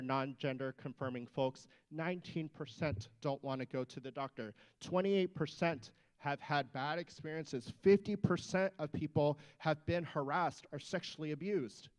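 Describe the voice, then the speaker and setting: Man, physician, slightly high voice, emphatic rally speech, rousing the audience. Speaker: physician speaker. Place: state capitol building.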